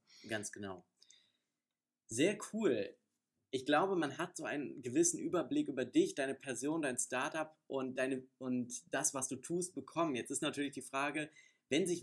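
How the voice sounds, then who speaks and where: A man with a normal speaking voice talks at a moderate pace, his fairly high pitch showing ordinary variation. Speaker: student entrepreneur acting as interviewer. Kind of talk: casual interview. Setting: recording late at night.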